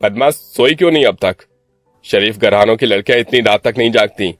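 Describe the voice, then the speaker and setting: A man's voice: on the low side, fairly quick, no room sound, soft background music, close to an everyday voice. A man voicing a harsh, proud young man in a cartoon, stern and menacing.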